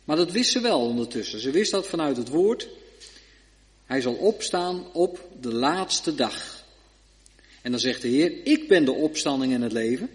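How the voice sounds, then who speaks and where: A man giving a Bible study sermon, reading scripture aloud slowly and checking in with short tag questions. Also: medium pitch, expressive. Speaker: preacher. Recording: long reverb of a hall.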